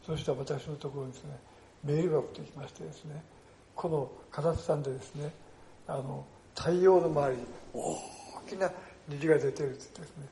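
Older guy pastor giving a sermon, gravelly and kinda high, echoey church hall. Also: steady tone, brisk, dark tone, a little hiss or hum. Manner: earnest storytelling, peppers phrases with "desune".

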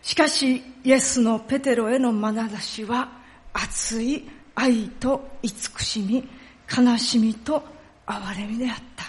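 Woman preacher with a fairly high voice. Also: fairly even intonation, slow pace. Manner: storytelling, acts out quoted lines and dialects; drops to a hushed tone for solemn passages. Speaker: pastor. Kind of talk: sermon.

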